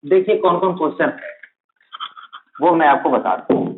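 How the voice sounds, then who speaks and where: A man's voice: on the high side, normal speed, a little hiss or hum. A man teaching math for teaching exams, who keeps asking a question and then answering it himself, repeating the key terms. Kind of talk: classroom-style lecture. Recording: tinny, phone-like, echoey room.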